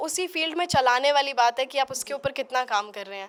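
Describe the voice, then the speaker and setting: A woman's voice with lively intonation. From Haryana, India. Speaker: multilingual accent performer. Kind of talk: interview answer.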